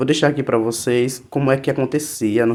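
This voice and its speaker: Fairly quick and medium-pitched, a man speaks with a strong northeastern Brazilian accent and fairly even intonation. The recording is very clean, with a silent background. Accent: thick Northeastern Brazilian. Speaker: YouTuber, beautician. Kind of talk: commentary vlog. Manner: clear diction.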